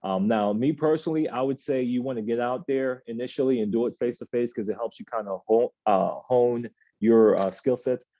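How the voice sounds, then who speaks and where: A man in his thirties hosting an office team meeting, reading out announcements in a relaxed, chatty way with plenty of filler sounds. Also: medium pitch, fairly quick, no room sound, dull audio. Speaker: agency meeting host. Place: office meeting room, indoors.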